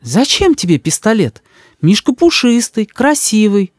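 A man voicing an anxious, tearful young mother who talks in a pleading, soft-hearted way. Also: high-pitched, very animated, measured pace, dry recording, studio quality, pitched above the performer's own voice. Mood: coaxing.

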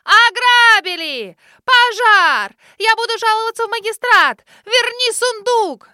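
A woman's voice: extremely high pitch, animated, a little slow, sharp tone, no echo, clean studio sound, pitched above the performer's own voice, exaggerated voice. A woman voicing a stout, rude middle-aged woman who shrieks and squeals hysterically. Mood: hysterical shrieking.

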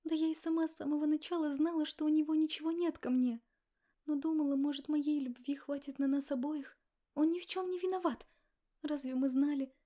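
A woman's voice: high voice, steady tone, fairly quick, voice pushed up, natural voice. Woman voicing a tearful timid young pregnant woman. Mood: tearful pleading. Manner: soft, sobbing, stammering.

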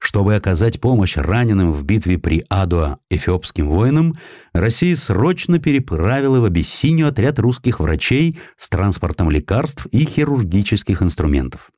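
A man reading a historical essay as an audiobook narrator, in a measured, dramatic storytelling delivery with expressive emphasis. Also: on the low side, no room sound, clean studio sound.

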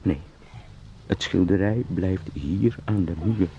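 A man's voice: low voice, takes it slowly, lo-fi sound, background noise. An actor playing an anguished, pleading young salesman turned beetle in a radio drama, brooding and emotional. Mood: defiant distress.

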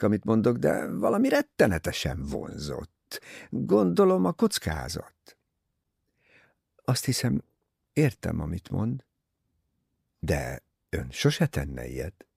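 A man reads an impulsive, self-mocking young man in an audiobook. His low, husky voice swings widely in pitch with restless energy, dry and close to the mic. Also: a little mellow, dry recording, exaggerated voice. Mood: rueful.

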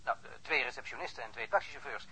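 An actor playing a wry, talkative foreign police officer in a radio drama. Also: male voice, medium pitch, sing-song, fast talker, creaky, sharp tone, full character voice.

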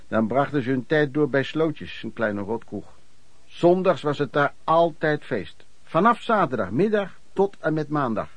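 A man's voice: medium pitch, creaky, husky, no echo, full character voice. An actor playing an old man who chattily recalls his drinking and lodging days in a radio play, repeating himself for emphasis. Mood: fond, amused. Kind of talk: radio drama narration, reminiscing.

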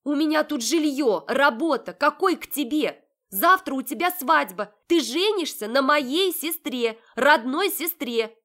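A woman voicing an indignant young woman, shouting high and loud at the people around her. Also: expressive, unhurried, hardly any pauses. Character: heated young woman arguing with her sister.

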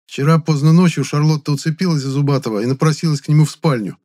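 A man's voice: a little high, fast, warm tone, voice pushed up, lightly acted. A narrator voicing an indignant young man. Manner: indignant, sarcastic, protesting. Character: indignant young Soviet man, sharp-tongued.

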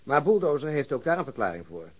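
An actor playing a matter-of-fact police detective who explains a case drily in a Dutch radio crime drama. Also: male voice, mid-range voice, very animated, fast talker, breathy edge.

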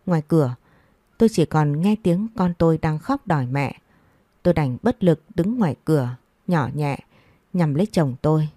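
Woman narrator, sorrowful measured storytelling, low and mellow. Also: animated, no room sound. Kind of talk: first-person scripted narration.

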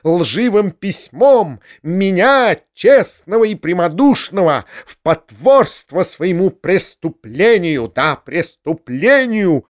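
A shrieking, sanctimonious older hypocrite, as a male reader puts him on. His voice jumps high and swings widely as he preaches and rails, the delivery slow and drawn out. The recording is close and dry. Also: big pitch swings, no room sound, heavily acted. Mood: shrieking fury. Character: shrill, pompous, self-righteous older male hypocrite. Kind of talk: audiobook character reading.

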